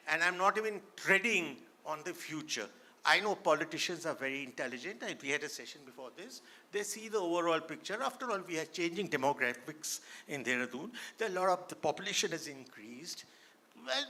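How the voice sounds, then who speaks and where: A man's voice: sits high, bright, forceful tone. A man in his seventies with an Indian accent, talking emphatically and informally on an author panel, often repeating his phrases. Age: 70s. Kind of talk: impassioned informal panel talk.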